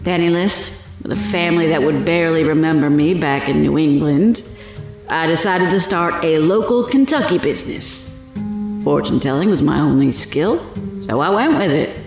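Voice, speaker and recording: An actress playing a sly, menacing older fortune teller accused of murder in an audio drama, taunting and theatrical in a drawl. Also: female voice, sits low, normal speed, reverberant, over music. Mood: sly, matter-of-fact.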